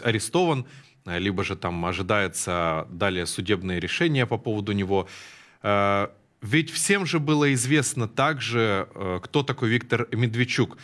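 A man's voice: on the low side, a bit bright. A man presenting live television news, asking a guest careful, formal questions. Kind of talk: live TV interview. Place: TV studio.

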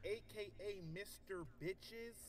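A man playing an indignant girlfriend in a comedy sketch, halting, accusatory and incredulous. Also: high-pitched, fairly even intonation. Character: indignant girlfriend confronting her partner over messages.

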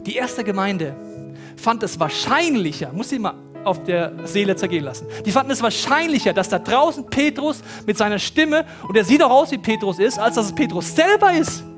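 A man preaching a sermon from a church stage, telling lively personal stories and speaking straight to the listeners. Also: sits high, a little fast, few pauses, over music. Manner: lively storytelling, addresses listeners directly. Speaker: pastor. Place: church stage before a congregation.

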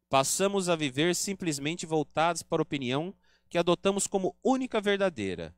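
A man's voice: a little high, dry recording. A man with a Brazilian Portuguese accent giving an earnest spiritist lecture at a spiritist center, teaching and acting out quoted remarks. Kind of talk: religious lecture.

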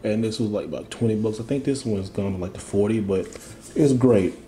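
A man bantering casually beside his co-host, joking around in relaxed slang. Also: fairly low pitch, fairly quick. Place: game room with arcade cabinets.

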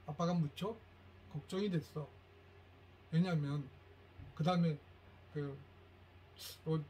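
A middle-aged man lectures a room of parents in a fairly high voice. He tells stories and acts out the lines of the people in them, with lively swings in his delivery. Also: slight background noise. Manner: animated storytelling, acts out quoted lines.

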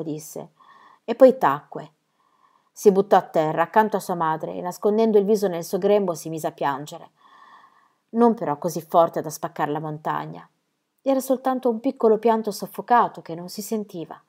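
A woman reads a children's novel aloud in an expressive storytelling voice. She builds in force and height through the emotional passages, then eases back down to a calm, even telling. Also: fairly low pitch, moderate pace. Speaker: audiobook reader. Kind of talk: scripted narration of a children's novel.

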